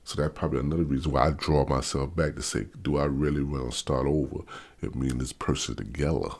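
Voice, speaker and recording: Speaking fast in an extremely low, darkish voice with a steady tone, this vlogger rants his opinions to camera. He's in his fifties with a Washington DC/Maryland accent, and the unscripted talk is blunt and repetitive, with stammers whenever he restarts.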